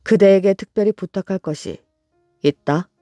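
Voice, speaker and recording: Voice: medium pitch, moderate pace, dark tone, no room sound, clean studio sound, faint music behind, close to an everyday voice. A storyteller reading an uneasy old conqueror king. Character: anxious ruthless conqueror king, older man.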